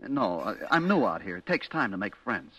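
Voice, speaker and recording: An actor playing a nervous young American market clerk in an old radio suspense play, slangy and confiding, stammering when cornered. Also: male voice, fairly low pitch, big pitch swings, fairly quick, pushed and bright. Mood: nervously placating. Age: young adult. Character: nervous young market clerk having a secret affair, telling his story. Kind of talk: 1940s-50s American radio suspense acting.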